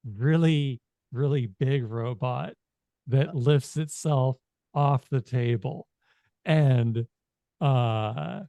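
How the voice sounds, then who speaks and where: A man speaking in a halting, informal way as he narrates a tabletop game as game master. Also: medium pitch, vocal fry, mellow, dry recording.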